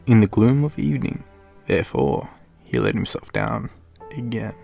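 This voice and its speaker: A man with an Australian accent giving dramatic storybook narration, often dropping into a breathy hush. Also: on the low side, normal speed, faint music behind.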